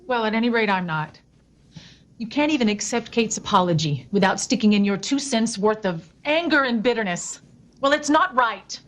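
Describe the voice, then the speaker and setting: A weary, fed-up grown daughter. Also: female voice, fairly high pitch, animated, moderate pace, fairly bright tone. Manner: firm, confronting.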